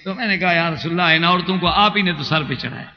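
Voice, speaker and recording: A man preaching a sermon, telling a story at length and reciting verses in a chanting lilt. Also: on the high side. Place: mosque hall. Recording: muffled recording with long hall reverb.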